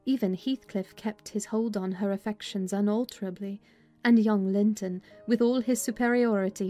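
A woman playing a plain-spoken housekeeper, recounting family history in a measured dramatized literary reading. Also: mid-range voice, dark tone, lightly acted. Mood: measured, reflective. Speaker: audiobook narrator. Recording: music bed behind voice.

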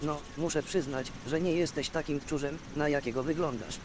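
An actor playing a cocky, threatening old pirate in a fantasy video game, gruff and taunting. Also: male voice, fairly high pitch, normal speed, natural voice. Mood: mocking, menacing. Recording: game audio with clear ambient noise.

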